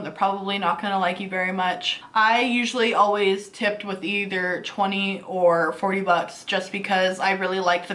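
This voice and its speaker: A woman's voice: medium pitch, a bit bright. A young woman in her twenties from the United States with a slight lisp, chatting casually to camera as a vlogger and answering viewer questions. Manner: chatty and easygoing, many fillers like "like" and "you know". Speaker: beauty and lifestyle vlogger.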